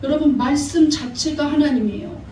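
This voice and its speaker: A woman's voice: high-pitched, moderate pace, dark tone, slight background noise. A woman pastor preaching a sermon in a church, exhorting her congregation and asking them questions. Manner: exhorting, asks the congregation often. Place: church sanctuary. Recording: echoey church hall, mic far off.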